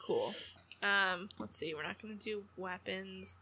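A woman with a bright, crisp voice runs the tabletop game, keeping things moving with teasing jokes. Her talk is casual and playful. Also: medium pitch, unhurried, a little hiss or hum. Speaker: game master.

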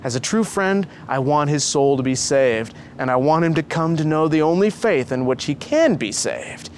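An earnest, pious young storybook hero, read by a male narrator, reassuring and persuasive. The voice is fairly high with very varied intonation, over faint noise. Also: expressive, normal speed, close to an everyday voice. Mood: calm, persuasive. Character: earnest, pious young man counselling his friend.

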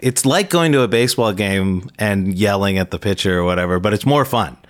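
A podcast guest from Calgary chatting casually, thinking aloud with many restarts. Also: male voice, fairly low pitch, expressive, brisk. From Calgary, Alberta, Canada. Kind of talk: casual chat.

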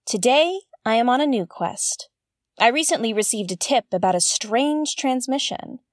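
A woman's voice: fairly high pitch, lively intonation, moderate pace, dry recording, studio quality, lightly acted. A woman playing an earnest, intense investigator who hosts a conspiracy podcast in an audio drama. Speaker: podcast host. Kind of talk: scripted audio drama narration.

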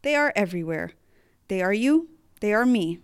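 A woman from the Mariana Islands hosting a podcast, reading a scripted introduction in an earnest, measured way. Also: medium pitch, lively intonation. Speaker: podcast host.

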